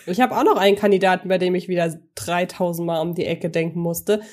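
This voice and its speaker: A woman's voice: lowish voice, steady tone, quick pace, a little mellow. Chatty woman presenting her film picks. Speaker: podcast co-host. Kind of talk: casual film chat.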